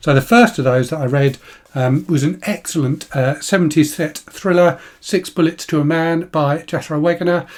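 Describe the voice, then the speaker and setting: In a British accent, a man speaks at a fairly high pitch with ordinary pitch variation. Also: moderate pace, very clean recording, silent background. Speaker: book youtuber. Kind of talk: casual vlog chat. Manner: hesitant, many fillers.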